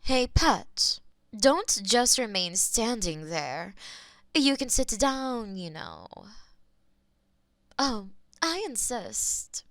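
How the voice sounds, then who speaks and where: A woman voicing a possessive, teasing female demon mistress who is smug and powerful, dropping at times to soft whispers. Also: a little high, very animated, dry recording, heavily acted. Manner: teasing, slow and purring, drops to soft whispers. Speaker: voice actor in an audio roleplay. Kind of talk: audio roleplay acting.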